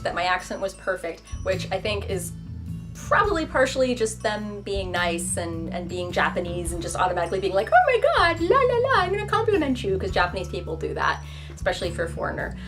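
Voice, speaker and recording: Chatty young woman over background music. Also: mid-range voice. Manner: chatty and self-deprecating, with quick voiced asides. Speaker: vlogger. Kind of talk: casual talk to camera.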